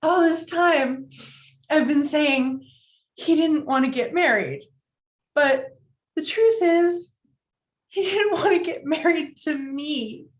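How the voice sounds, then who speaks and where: Romantic comedy lead, read by an actress: neurotic, heartbroken thirties woman, high-pitched, self-critical, echoey room. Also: slow, pauses often. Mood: wounded, bitter. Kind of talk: virtual table read of a film script.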